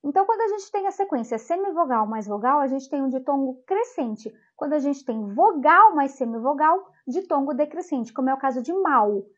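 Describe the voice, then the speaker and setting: A young woman teacher giving a lively grammar lesson, drawing out example words slowly to stress their sounds. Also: high-pitched, dull audio.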